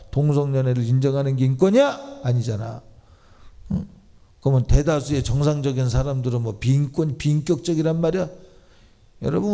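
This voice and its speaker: A man's voice: medium pitch, gravelly, warm tone. A Korean pastor preaching an emphatic sermon in a church, often switching to blunt informal talk to address the congregation. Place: church sanctuary.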